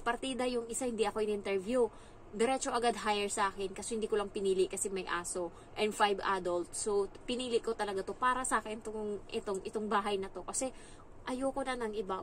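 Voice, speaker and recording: A young woman from the Philippines, a domestic helper, chatting on her vlog and giving advice in a lively storytelling way, acting out other people's lines. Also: on the high side, slight background noise, low-quality recording. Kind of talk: casual advice chat. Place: employer's home abroad.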